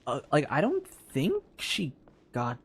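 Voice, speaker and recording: A man's voice: fairly high pitch, wildly swooping pitch, slow pace, a little hiss or hum. A man streaming a game with casual, rambling commentary, thinking aloud as he goes. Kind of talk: casual live gameplay commentary.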